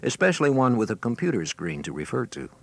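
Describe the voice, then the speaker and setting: A man's voice: medium pitch, wildly swooping pitch, fast, creaky. A man narrating a scripted training filmstrip in a wry, theatrical storytelling manner, recorded on an old 1980s cassette. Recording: noisy 1980s cassette with clicks.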